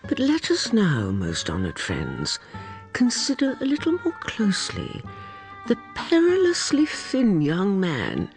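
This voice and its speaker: A man's voice: high-pitched, huge pitch swings, a little slow, soft background music. A man narrating a radio drama in a flamboyant, arch storytelling manner. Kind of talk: theatrical scripted narration.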